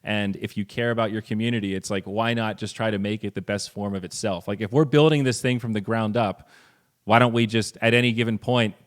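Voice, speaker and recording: A man speaking as a guest on a podcast, talking casually and animatedly, swearing freely and jumping up in pitch when he stresses a point. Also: fairly even intonation, a little fast. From Finland. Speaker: podcast guest, esports commentator.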